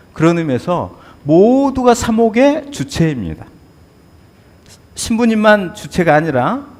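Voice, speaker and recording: The pace is fairly slow, with long, frequent pauses. Pitch swings very widely. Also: man, high pitch for a man. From South Korea, Jeolla, Mokpo. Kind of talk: lecture. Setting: church hall with audience.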